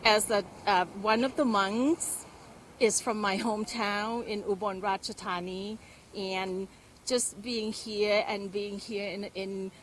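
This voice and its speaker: A woman answers questions outdoors in the cold, in a middle-pitched voice. She speaks earnestly and haltingly, pausing often and reaching for words. There is a faint outdoor hiss behind her. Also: fairly even intonation, low-quality recording. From Thailand. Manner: earnest and halting, with many pauses and fillers. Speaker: interviewee. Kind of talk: street interview.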